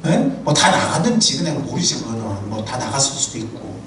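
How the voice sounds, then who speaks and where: A male pastor preaching a sermon in a church, animated and humorous, telling personal anecdotes. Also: medium pitch, brisk, slight background noise. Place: church sanctuary. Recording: echoey hall from far off.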